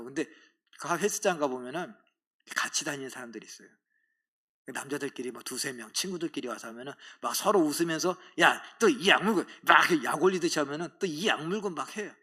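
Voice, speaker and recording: A man's voice: fairly high pitch, bright, forceful tone, slightly rough. A middle-aged man, a pastor, preaching a sermon in a church, telling stories animatedly and mimicking other people's voices. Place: church sanctuary.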